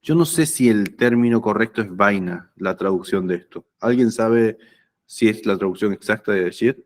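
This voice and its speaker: A man's voice: fairly low pitch, moderate pace. A man giving an anatomy lecture, conversational and often checking that students follow. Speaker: anatomy teacher. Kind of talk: lecture explaining slides.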